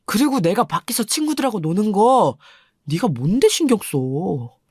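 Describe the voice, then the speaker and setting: A woman's voice: mid-range voice, big pitch swings, moderate pace, darkish tone, breathy edge, no room sound, studio quality. A woman voicing a sullen teenage boy who answers his sister curtly and dismissively, story reading. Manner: curt, dismissive.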